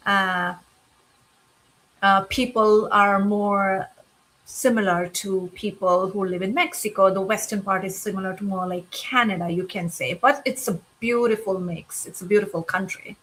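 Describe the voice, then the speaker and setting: A woman interpreting a guest's signed answers in an interview, unhurried, pausing with uh between phrases. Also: mid-range voice, fairly even intonation, a bit bright, low-quality recording.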